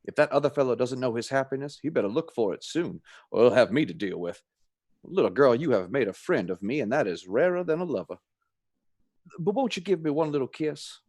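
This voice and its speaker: An actor playing a jolly, gallant young Texan suitor in a radio play, with a folksy, earnest drawl. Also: male voice, medium pitch, lively intonation, brisk, darkish tone, no echo, studio quality. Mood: folksy courting. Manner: folksy drawl with American slang.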